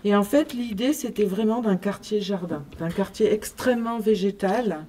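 Soft-toned woman explaining a plan. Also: medium pitch, normal speed, a little hiss or hum. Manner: hesitant, many fillers and restarts. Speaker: urban planner presenting a design. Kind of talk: explaining a plan around a table. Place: meeting room, group standing round a table.

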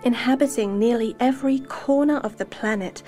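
A young woman voice actor giving measured, storytelling narration. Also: a little high, dark tone, soft background music. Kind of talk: scripted narration reel.

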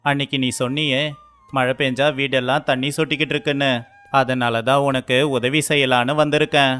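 A man acts out a caring young villager in a bedtime story. His voice is smooth and clear at a middle pitch, earnest and familiar, with music behind it. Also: level tone, fairly quick, bright, forceful tone, close to an everyday voice. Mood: friendly, helpful. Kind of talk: acted dialogue in a children's moral story.

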